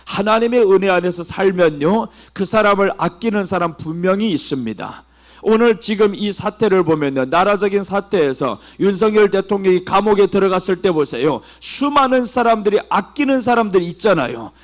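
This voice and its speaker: High-voiced Korean pastor preaching. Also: male voice, expressive, moderate pace. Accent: Seoul Korean. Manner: preaching with wide swings between hushed low phrases and raised emphatic ones. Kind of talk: sermon.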